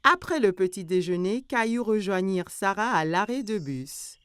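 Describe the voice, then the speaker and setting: A woman reading scripted narration for a children's cartoon in a clearly phrased storytelling manner. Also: mid-range voice, animated, normal speed, a bit bright, no room sound. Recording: music behind the voice. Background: background music.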